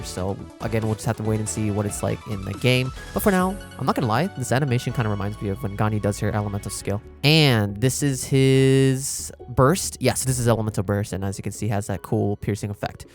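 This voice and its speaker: A man's voice: on the low side, a little fast, hardly any pauses. A man giving casual, chatty reaction commentary as a gaming content creator, explaining things as he goes. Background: music.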